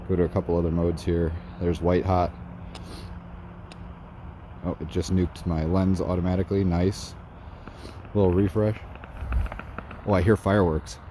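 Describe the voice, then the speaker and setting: A man reviewing gear in a casual night vlog, walking outdoors in a suburb and talking excitedly about what he sees. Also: deep voice, slight background noise. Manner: excited, narrating while walking. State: slightly out of breath.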